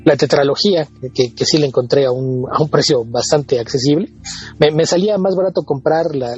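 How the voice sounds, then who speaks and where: A man's voice: on the high side, darkish tone, muffled recording. A man with a Mexican Spanish accent, chatting casually as a podcast co-host and often repeating words as he restarts.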